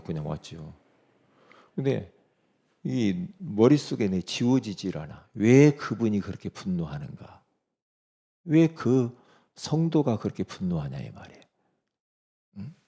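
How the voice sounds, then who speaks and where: Gravelly-voiced man preaching with lively pitch. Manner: emphatic, rhetorical questions, conversational preaching. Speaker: pastor. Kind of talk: sermon.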